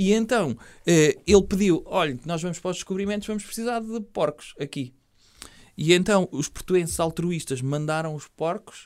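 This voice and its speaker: This man has a high-pitched voice and talks at a moderate pace. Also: very clean recording, silent background. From northern Portugal. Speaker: comedy podcast co-host. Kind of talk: comedic banter.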